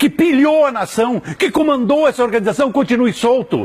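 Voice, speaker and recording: Over noticeable background noise, a man speaks at a moderate pace in an animated tone with an extremely high pitch. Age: 60s. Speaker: political commentator. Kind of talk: political rant.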